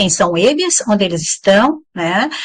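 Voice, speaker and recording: Somewhat breathy, this woman's voice sits at a medium pitch. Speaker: university lecturer and researcher. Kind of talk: online lecture.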